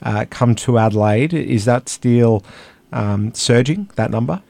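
A man's voice: mid-range voice, measured pace, gravelly, warm tone, no room sound. A male radio host, asking friendly, curious questions in a casual interview.

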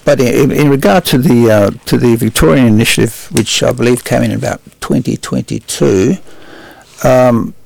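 A man co-hosting a radio show, speaking haltingly with many repeated words and fillers. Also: mid-range voice, vocal fry, darkish tone, no echo, rough recording. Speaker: radio co-host. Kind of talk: radio panel discussion. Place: radio studio.

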